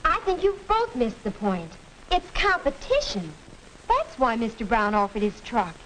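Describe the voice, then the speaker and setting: A young woman playing a confident high school student lecturing her classmates, in 1940s educational film acting, on a hissy old film soundtrack. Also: wildly swooping pitch, measured pace, fairly bright tone, exaggerated voice, rough recording.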